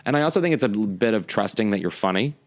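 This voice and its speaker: A man's voice: on the low side, animated, rapid-fire. A man from St. Louis, a comedian, talking in a rambling, blunt, profane way, often cutting himself off mid-sentence. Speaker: comedian, podcast guest. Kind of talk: casual podcast chat.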